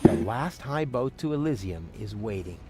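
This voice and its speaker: A man's voice: fairly low pitch, animated, normal speed, a loud crowd, close to an everyday voice. A man playing a cocky, scheming, whiny adventurer in a video game, theatrical and sarcastic. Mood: smug.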